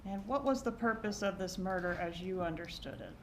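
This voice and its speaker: A woman's voice: mid-range voice, a little fast. A woman speaking as a prosecutor in a courtroom, examining a witness with short, pointed questions. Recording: noisy courtroom recording.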